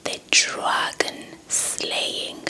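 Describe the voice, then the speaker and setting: A young woman telling a story in a breathy ASMR whisper close to the mic, deliberate and softly repeating words. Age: young adult. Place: indoors in front of a dark cloth backdrop. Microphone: handheld small mic with fluffy windscreen, held close.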